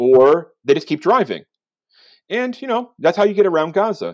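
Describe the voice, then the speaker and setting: A man speaks with a Boston accent and lively intonation. The background is quiet. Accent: Boston-area American. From Boston area, US. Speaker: NGO office head working in Gaza and Palestine. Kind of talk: interview conversation.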